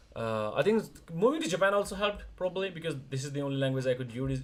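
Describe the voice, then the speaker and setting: Very fast speech from a man at medium pitch, with lively intonation over noticeable background noise. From India. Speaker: wrestling livestream host. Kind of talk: casual chat. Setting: livestream.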